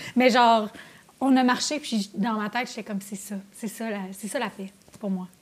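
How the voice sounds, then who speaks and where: A woman speaks at a moderate pace with a fairly high pitch and fairly even intonation. Her voice is somewhat breathy, with big swings in loudness. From Quebec, Chambly. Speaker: comedian. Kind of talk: casual chat. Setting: studio.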